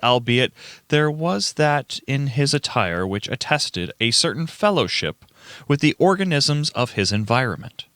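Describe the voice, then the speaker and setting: Amateur male narrator for a radio play reading: bright voice, mid pitch, dry close recording. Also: no echo. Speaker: narrator and reader of all parts.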